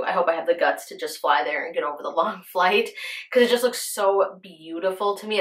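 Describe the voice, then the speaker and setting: A woman in her early thirties, a beauty vlogger chatting casually and gushing to her viewers, full of fillers. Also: lowish voice. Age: 30s. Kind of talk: casual chat.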